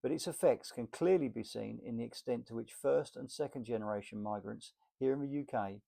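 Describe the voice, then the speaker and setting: A man's voice: mid-range voice, fairly quick, gravelly, dark tone. A man reading a political essay aloud in an emphatic, list-like delivery. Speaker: reader.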